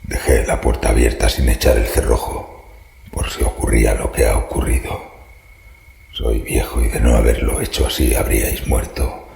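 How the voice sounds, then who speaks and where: An actor playing a cryptic, courteous old man with a gravelly, whispery voice and in an audio horror drama. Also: rumbling low, little pitch movement, darkish tone, exaggerated voice. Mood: ominous, courteous. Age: older. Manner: slow, ominous, courteous. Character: sinister old man, cryptic host of a dark mansion. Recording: echoey room sound.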